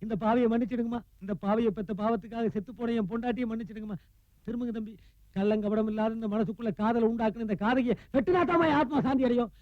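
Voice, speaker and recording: A man's voice: extremely high pitch, steady tone, fast, no echo, lo-fi sound. An actor playing a fawning, melodramatic male estate servant in a comedy, wailing and theatrically self-abasing. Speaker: loyal servant of a rich widow. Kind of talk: 1990s film comedy acting.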